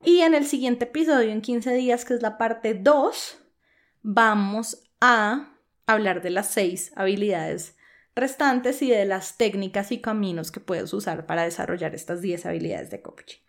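A woman's voice: medium pitch, unhurried. A woman podcast host teaching coaching skills for leaders, explaining step by step and often checking in with a questioning "¿sí?". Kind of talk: instructional podcast talk.

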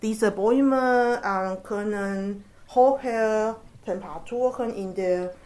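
A woman's voice: medium pitch, slow, a little mellow. A young woman from Taiwan, a master's student who is a guest on a podcast, speaking hesitantly with many fillers as she searches for words. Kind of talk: casual podcast interview.

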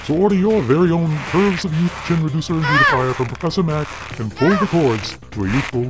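A man reading a mock vintage commercial as an earnest sales pitch. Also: expressive, brisk, very noisy. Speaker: commercial narrator. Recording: voice over loud music.

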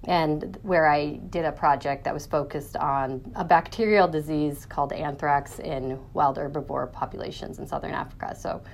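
Female researcher, very low pitch, explanatory interview talk, faint background noise. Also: fairly even intonation, moderate pace, creaky, few pauses. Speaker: academic researcher, interview guest.

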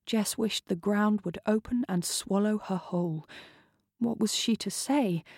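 A woman reading a novel aloud in slow, measured scripted narration. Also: medium pitch, a little mellow, husky, dry recording, studio quality. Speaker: reader.

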